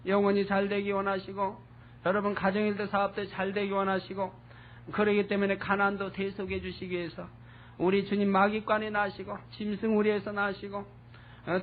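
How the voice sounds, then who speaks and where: Male pastor, very high voice, earnest sermon delivery, thin phone-like recording. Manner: earnest preaching, rhetorical questions to the congregation. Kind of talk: expository sermon. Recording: tinny phone-like lo-fi audio.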